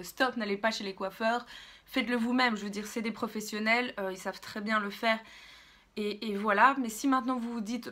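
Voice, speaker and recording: A woman in her twenties chatting casually in a vlog, swearing freely and filling pauses with fillers. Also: on the high side. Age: 20s. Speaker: beauty YouTuber.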